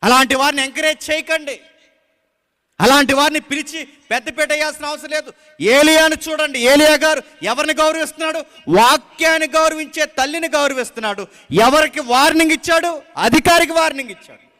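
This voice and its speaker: A man's voice: very high-pitched, brisk, sharp tone. A man preaching a sermon, emphatic and full of rhetorical questions, in a church. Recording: long church-hall reverb.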